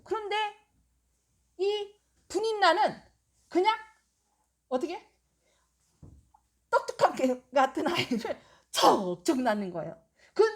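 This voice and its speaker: A woman pastor preaching a sermon, telling a story expressively and quizzing the congregation with questions. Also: very high-pitched.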